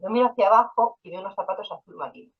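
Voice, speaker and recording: A hypnotherapist appearing as an interview guest tells personal stories casually, quoting dialogue and using fillers. Her mid-range voice is slightly rough and rapid-fire, and the recording is muffled.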